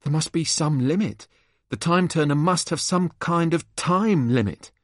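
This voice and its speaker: A man's voice: fairly high pitch, a little slow, no room sound, clean studio sound, pitched above the performer's own voice, close to an everyday voice. A man voicing a worried teenage boy in a story, speaking with nervous urgency.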